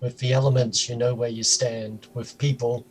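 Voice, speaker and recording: A man playing a tabletop role-playing game, chatting in a relaxed, reflective way. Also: mid-range voice, normal speed, a little hiss or hum, low-quality recording. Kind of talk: casual role-play banter.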